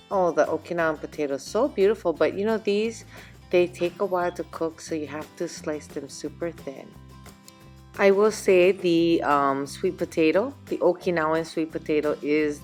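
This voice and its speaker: A woman talks at a moderate pace with a fairly low pitch. Music plays in the background. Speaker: cooking vlogger. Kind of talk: casual talk to camera.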